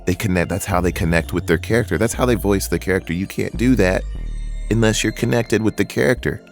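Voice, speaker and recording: Deep-voiced man giving voice acting tips. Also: fairly quick, gravelly, soft background music. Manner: casual, conversational, earnest advice. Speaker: voice acting coach. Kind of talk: tutorial.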